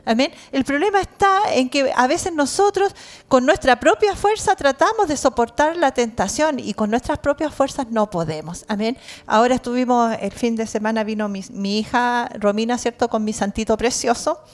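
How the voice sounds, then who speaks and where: A middle-aged woman with a Chilean accent preaching a sermon as pastor, earnest and animated, often adding amen and cierto. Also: a little high, moderate pace. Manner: animated storytelling, shouting out imitations.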